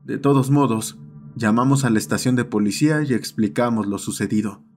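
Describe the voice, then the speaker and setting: A man's voice: mid-range voice, a little fast, darkish tone. A man narrating a scripted horror story as the host of the channel. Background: background music.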